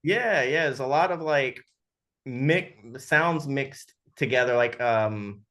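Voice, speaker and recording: A man speaking casually and haltingly as a sound designer in an interview, thinking aloud as he explains. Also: medium pitch, expressive, a bit bright.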